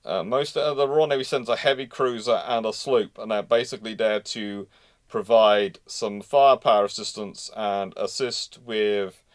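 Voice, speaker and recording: A man with a fairly low voice, speaking at a moderate pace, hosts a live history Q&A session. He thinks aloud, talks discursively, and repeats phrases while hunting for the right words.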